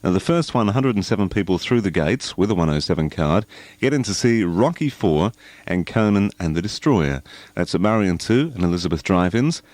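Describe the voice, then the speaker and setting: A low-voiced Australian man works as a radio DJ in an eighties style. He links songs and station promotions in a very dry studio sound. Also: expressive, brisk, a little mellow, no echo. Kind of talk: upbeat 1980s radio presenting.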